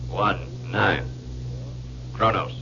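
An actor playing a cold, secretive spy contact in a 1950s radio drama, terse and formal. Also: male voice, low voice, very slow, vocal fry, bright, forceful tone, dull audio, exaggerated voice. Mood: cold, guarded. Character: cold, secretive Martian spy contact taking coded messages. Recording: very noisy old radio recording.

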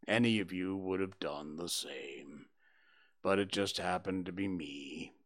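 A man's voice: low-pitched, a bit bright, dry recording, clean studio sound, voice pushed down. Eeyore, a man doing a gloomy donkey. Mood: solemn. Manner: slow, sighing, mournful drawl. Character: gloomy old male donkey, self-pitying. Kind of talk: storybook reading.

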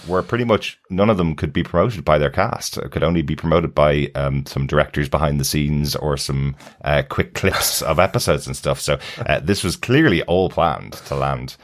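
A man's voice: extremely low pitch, moderate pace, hardly any pauses, slight background noise. A man hosting a podcast, making announcements and introducing the discussion in a casual, conversational way. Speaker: podcast host.

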